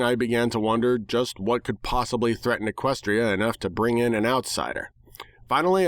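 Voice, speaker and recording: A man giving a dramatic first-person reading of fan fiction, sardonic and expressive. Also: mid-range voice, no room sound, clean studio sound.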